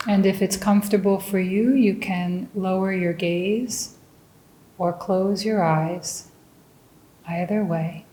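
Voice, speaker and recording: Slow, mellow woman guiding meditation. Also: mid-range voice, fairly even intonation, echoey room, a little hiss or hum, low-quality recording. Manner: gentle, deliberate, with long pauses between short phrases. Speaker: meditation teacher. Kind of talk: guided meditation.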